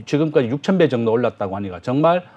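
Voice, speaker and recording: Lively-voiced male professor explaining markets. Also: medium pitch, highs cut off. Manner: measured and explanatory, frequent "uh" fillers. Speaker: business professor, guest analyst. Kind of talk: explanatory economic commentary.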